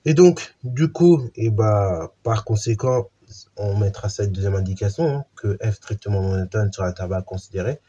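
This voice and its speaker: A man's voice: lowish voice, normal speed, mellow, muffled recording. Man explaining math, casual with fillers. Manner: informal, lots of fillers and restarts. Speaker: math teacher.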